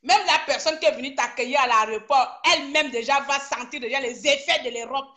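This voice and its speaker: High-voiced woman in a scolding live rant. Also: fairly quick, pushed and bright. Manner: confrontational, scolding, mixes in broken English. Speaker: online activist. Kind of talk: live social media rant.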